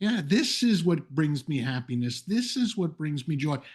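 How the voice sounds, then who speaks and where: A man speaks at a fairly slow pace with a high pitch. The background is quiet. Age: 70s. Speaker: retired business owner, author. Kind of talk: interview conversation. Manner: halting, frequent repetitions.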